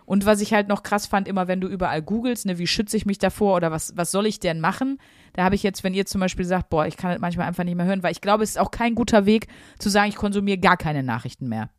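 A woman's voice: mid-range voice, quick pace, no room sound, clean studio sound. A woman co-hosting a podcast, talking through her thoughts in an earnest, chatty way with many fillers. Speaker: podcast co-host. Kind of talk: casual podcast chat.

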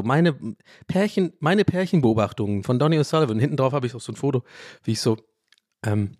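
A man hosting his own podcast, telling stories to his listeners in loose, rambling monologues. He often restarts his sentences and breaks into laughter. His voice sits at an ordinary middle pitch, and the sound is dry and close. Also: darkish tone, dry recording. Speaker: podcast host. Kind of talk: casual solo podcast monologue.

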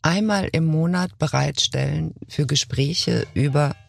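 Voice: mid-range voice, measured pace, gravelly, no echo, studio quality, faint music behind. An actor, a guest on a podcast, telling stories in a playful, theatrical way during a casual chat.

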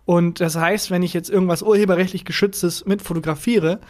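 High-voiced German man, lively storyteller. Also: brisk. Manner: animated storyteller, hums tunes and mimics voices. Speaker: podcast co-host. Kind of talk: casual chat.

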